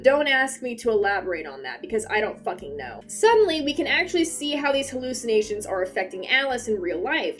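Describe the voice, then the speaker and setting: A woman giving casual video commentary in an irreverent, sweary, self-deprecating and jokey manner. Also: a little high. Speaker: YouTuber host. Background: background music.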